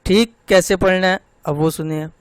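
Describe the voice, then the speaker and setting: A man teaching Quran recitation, slowly spelling out syllables and pointing out common mistakes. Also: high-pitched, steady tone, clear, resonant tone, dry recording. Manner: slow, drawn-out demonstration of syllables, then gentle personal talk. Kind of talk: online tajweed lesson.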